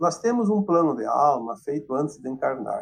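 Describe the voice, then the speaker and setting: A man talks with very wide pitch swings. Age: 70s. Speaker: spiritual teacher. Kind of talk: spiritual talk.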